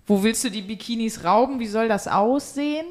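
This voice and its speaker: Female podcast host, fairly high voice, teasing and colloquial, loose comedic banter. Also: brisk, darkish tone.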